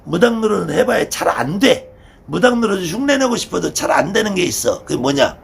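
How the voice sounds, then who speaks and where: A man's voice: high-pitched, big pitch swings, fairly quick, creaky, slight background noise. A man teaching shamanism students in an informal lecture, blunt and conversational, repeating key words for emphasis. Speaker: shamanism instructor.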